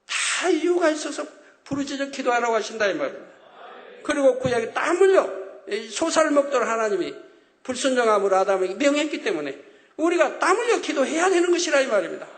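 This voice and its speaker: A male pastor preaching a sermon with emphatic, repeating phrases that rise to loud exclamations. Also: very high voice, big pitch swings, fast talker. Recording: echoey hall with long reverb.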